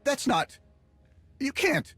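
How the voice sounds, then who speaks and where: An actor playing a shifty, self-serving black-market supplier in a video game, glib and wheedling, stammering when cornered. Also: male voice, very high voice, sing-song, slow pace, fairly bright tone, no echo, soft background music, full character voice. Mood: flustered, defensive.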